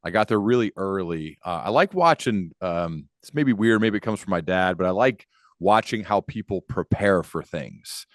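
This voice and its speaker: A man's voice: low voice, lively intonation, moderate pace, dry recording, clean studio sound. A man hosting a podcast interview in a casual, conversational way, earnest and enthusiastic as he thinks aloud.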